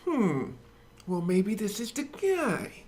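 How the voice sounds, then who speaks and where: A man's voice: sits high, very animated, slow, a little mellow, slight background noise, voice pushed up, full character voice. A man voicing a hot-headed male buyer who turns sly and then screams and curses when he gets scammed.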